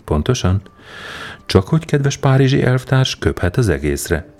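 A man voicing a cocky young male swindler who talks smoothly and mocks the people around him. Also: mid-range voice, very animated, darkish tone, voice pushed up. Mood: sly, mocking. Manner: mocking, self-assured, brisk.

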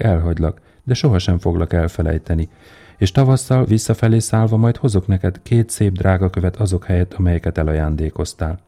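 A man voicing a small, kind-hearted male swallow in a read fairy tale, speaking in a pleading, gently emotional way. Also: low-pitched.

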